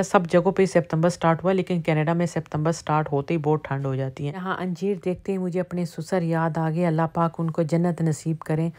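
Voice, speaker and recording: A woman's voice: sits low, darkish tone. A middle-aged woman from Pakistan giving a chatty running commentary on prices in a casual shopping vlog, filmed on a handheld phone in a large warehouse store. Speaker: vlogger.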